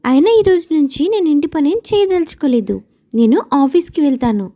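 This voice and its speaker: A woman's voice: high voice, animated, brisk, warm tone, lo-fi sound. A woman voicing an aggrieved young wife and daughter-in-law in a story, complaining and argumentative. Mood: defiant.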